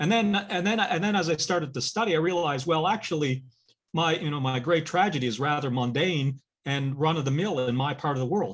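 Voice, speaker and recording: A man speaks in a Cape Breton accent, somewhat breathy and at a fairly high pitch. His pace is fairly quick and his intonation lively. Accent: Cape Breton Canadian English. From Cape Breton, Nova Scotia (Glace Bay). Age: 50s. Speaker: community advocate. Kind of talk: webinar conversation.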